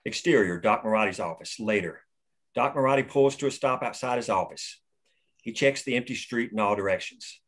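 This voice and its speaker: A man reading the stage directions aloud at a script table read in a steady, plain way. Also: on the low side, fairly quick.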